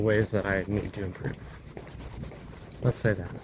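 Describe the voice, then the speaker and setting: The speaker is a man. Noticeable background noise can be heard throughout. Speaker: vlogger. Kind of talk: casual walking vlog monologue. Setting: outdoors at night, walking. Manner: slurred words.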